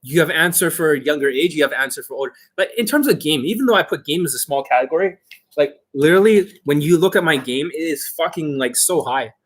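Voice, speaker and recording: A man giving informal coaching to online viewers as their host, brash and boastful, with emphatic, sweary delivery and a slightly rough, husky voice. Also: on the high side, fairly quick, fairly bright tone. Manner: acts out mock exchanges, emphatic.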